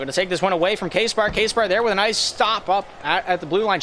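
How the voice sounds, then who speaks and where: Background noise is noticeable throughout. A man delivers his words fairly quickly. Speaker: esports hockey play-by-play commentator. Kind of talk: live commentary. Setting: live stream. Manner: fast; stutter.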